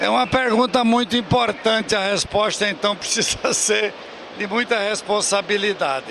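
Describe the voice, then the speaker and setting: Speech with ordinary pitch variation moves at a moderate pace, noticeable background noise beneath it. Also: man, high pitch for a man. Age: 80s+. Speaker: agronomist, agricultural aviation pioneer. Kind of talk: interview answer.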